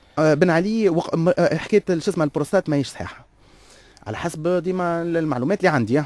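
High-pitched with ordinary pitch variation, a man talks at a very fast pace in a dry, close sound with no echo. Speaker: son of a former security chief. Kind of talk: radio interview.

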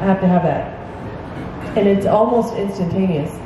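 A woman speaks at a fairly quick pace with ordinary pitch variation. Room echo is audible, and the background noise is noticeable. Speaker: panel moderator at an art center. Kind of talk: moderated panel discussion. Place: hall.

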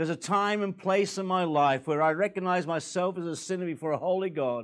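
Recorded very cleanly against a silent background, a man speaks in a high pitch with an Australian accent. His pace is moderate and his pitch variation ordinary. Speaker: pastor. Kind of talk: sermon. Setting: church.

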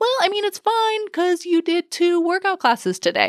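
This put-on character voice is squeaky and extremely high-pitched, moving at a moderate pace.

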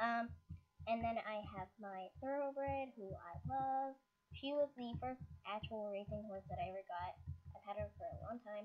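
With lively intonation, a woman speaks at a moderate pace. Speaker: gamer narrating gameplay. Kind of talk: casual game tour voice-over. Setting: low-quality computer mic. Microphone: webcam.

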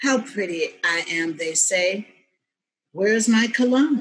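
This woman's voice is fairly high and somewhat breathy, with very wide pitch swings. She talks at a fairly slow pace. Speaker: magazine host. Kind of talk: casual friendly chat. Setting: video call.

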